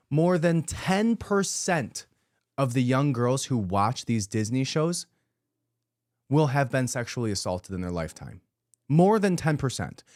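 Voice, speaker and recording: A man's voice: medium pitch, darkish tone, no room sound, studio quality. Indignant man repeating points hard. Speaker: podcast host. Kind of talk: emphatic commentary monologue.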